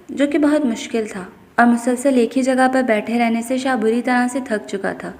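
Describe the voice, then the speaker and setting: A woman narrating a romance novel in a steady storytelling manner. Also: fairly high pitch, in a large hall. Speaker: audiobook narrator.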